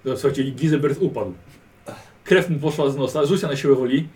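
A man's voice: mid-range voice, brisk, a little mellow. A man leads a tabletop game as game master, coaching a player step by step with patient, repeated instructions. He sits some way from the microphone. A faint hum of background noise runs under his voice. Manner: patient, instructive, drill-like repetition. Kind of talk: narrating a tabletop game in character. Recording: distant mic with background noise.

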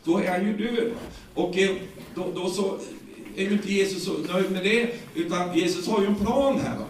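A Swedish-accented man preaches a sermon in a loud, echoing room, heard from some distance. His voice sits a little high for a man, and he retells the scripture in lively, everyday language, stumbling over repeated words as he goes. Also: a little hiss or hum. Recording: echoey, distant room sound.

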